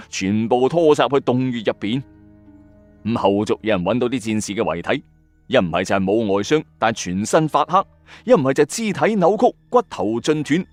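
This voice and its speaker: A man tells stories in Hong Kong Cantonese with a very lively, rising and falling delivery. He talks directly to the listener in colloquial, emphatic phrasing, like the host of a late-night radio ghost show. The voice is recorded dry, with music playing softly behind it. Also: mid-range voice, normal speed, no room sound. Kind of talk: dramatic storytelling narration with commentary. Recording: dry voice-over with music underneath. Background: background music.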